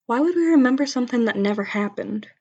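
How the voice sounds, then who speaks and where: A woman's voice: a little high, expressive, fast talker, darkish tone, breathy edge, no room sound, highs cut off. A woman playing a skeptical, unbothered twin sister in an audio drama, dismissive and matter-of-fact.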